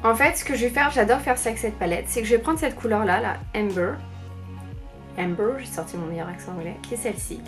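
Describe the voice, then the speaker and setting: A woman's voice: a little high, rapid-fire, hardly any pauses, fairly bright tone. Chatty young woman doing a makeup tutorial. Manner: chatty, rambling, many fillers. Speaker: beauty vlogger. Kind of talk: casual makeup tutorial chat. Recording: faint background music.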